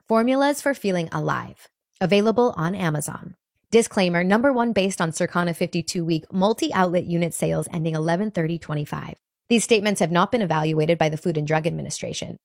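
A woman announcer giving a smooth, brisk, polished commercial read. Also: fairly low pitch, expressive, no room sound, studio quality.

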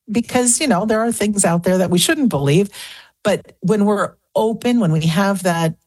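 Woman, sixties, husky raspy voice, dry close sound, earnest interview guest. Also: deep voice, darkish tone, no echo. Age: 60s. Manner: earnest, talks in lists and repeats phrases. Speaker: guest author. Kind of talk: radio interview.

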